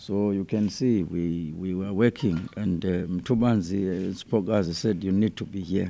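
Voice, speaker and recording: Fairly slow and fairly even in intonation, this voice carries a dark, mellow tone. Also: man. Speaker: city mayor. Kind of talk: public speech at launch event. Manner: halting, many fillers.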